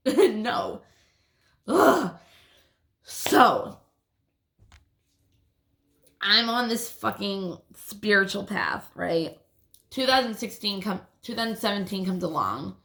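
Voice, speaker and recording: Woman vlogger with a lisp, gravelly fry, roomy echoey sound, casual and profane. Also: medium pitch, fairly bright tone. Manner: casual, swears often, restarts sentences. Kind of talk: rambling personal storytelling. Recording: roomy echo.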